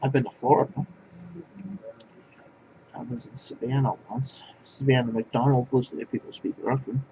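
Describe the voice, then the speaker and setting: A man from northwest Pennsylvania, talking to camera in a halting, rambling monologue that keeps restarting its phrases. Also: mid-range voice, level tone. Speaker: language vlogger. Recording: dull lo-fi sound with clear background noise.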